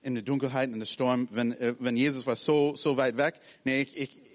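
Animated preacher man in a reverberant hall. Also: mid-range voice, normal speed. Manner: animated, acts out scenes in short broken phrases. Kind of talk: sermon.

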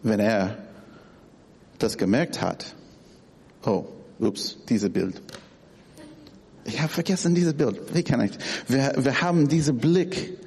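Slow, halting male preacher in a hall. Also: mid-range voice, expressive, a little mellow. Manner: halting, searching for words, repeats himself. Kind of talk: sermon. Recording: long hall reverb.

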